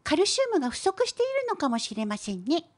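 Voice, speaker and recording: A woman voicing a cute, curious cat-like assistant in an educational cartoon, polite, inquisitive and gently cheeky. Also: high voice, sing-song, fast. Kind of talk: scripted educational cartoon dialogue.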